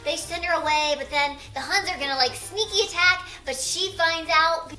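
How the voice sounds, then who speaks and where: A young woman with a squeaky helium voice, giggly and rambling as she playfully retells stories in a challenge vlog. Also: normal speed, sharp tone, reverberant, faint music behind. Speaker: video creator.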